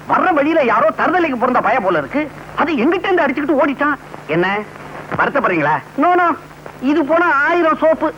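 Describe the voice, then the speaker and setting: Brief: bumbling comic hero, theatrical, swoops all over, stiff English asides. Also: male voice, very high-pitched, pushed and bright, slight background noise, exaggerated voice. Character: bumbling young man, fussy and excitable. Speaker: comic hero posing as a London visitor. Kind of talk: 1980s Tamil film comedy acting. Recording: dull lo-fi old film soundtrack with music.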